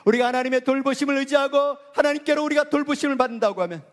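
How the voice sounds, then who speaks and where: High-voiced impassioned male pastor. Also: fairly even intonation, racing, in a large hall. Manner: impassioned preaching, swinging from loud cries to hushed, soft lines. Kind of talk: sermon.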